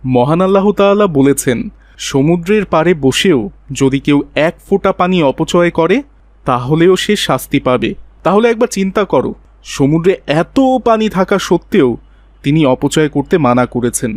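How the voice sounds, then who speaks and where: A man acts a patient, devout father in a children's cartoon. His fairly high voice is recorded close and dry, and he soothes and preaches kindly. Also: lively intonation, normal speed, darkish tone, no echo, close to an everyday voice. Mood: gently admonishing. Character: gentle pious father patiently counselling his young daughter. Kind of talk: children's Islamic cartoon voice acting.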